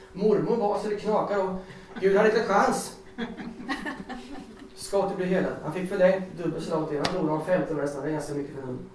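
A man with a high-pitched voice preaches informally to a gathering, mixing Bible verses with personal stories told in a chatty, animated way. He stands at a distance from the microphone in a strongly echoing room, with a faint hiss of noise underneath. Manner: chatty, laughing, animated storytelling. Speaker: lay preacher. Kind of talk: informal sermon with personal testimony. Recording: echoey hall, distant mic, faint noise.

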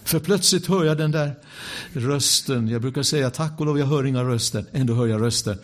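Man telling a lively sermon story. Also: mid-range voice. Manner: animated storyteller with wry asides; drops to a hush for quiet moments. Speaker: preacher.

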